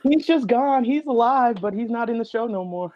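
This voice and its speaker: A man's voice: very high voice, dull audio, noisy background. A man chatting casually and animatedly as a panelist, telling stories in a self-mocking way. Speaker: panelist, podcast creator. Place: remote online panel call.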